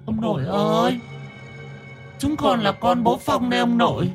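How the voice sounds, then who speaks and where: Shrill little demon children. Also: male voice, unhurried, over music. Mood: pleading. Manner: sing-song pleading, creepy. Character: pair of small hungry demon children.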